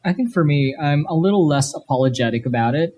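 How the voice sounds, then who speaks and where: A man's voice: fairly high pitch, lively intonation, fast, a little mellow. A man talking casually and emphatically as a guest on a panel at a live convention. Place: live comic convention panel before an audience. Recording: live event, background noise.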